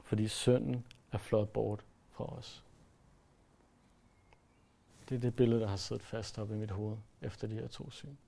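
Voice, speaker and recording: Gravelly, dark-voiced male preacher. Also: fairly low pitch, little pitch movement, long pauses. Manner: earnest, rises to emphatic then drops to soft. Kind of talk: sermon.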